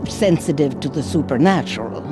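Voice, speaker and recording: A wry gypsy fortune teller for a video game, lowish voice swinging all over, music behind her. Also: animated, a little fast. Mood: knowing, wry. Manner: fortune teller, theatrical and knowing. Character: wry, bossy gypsy fortune teller who helps vampires.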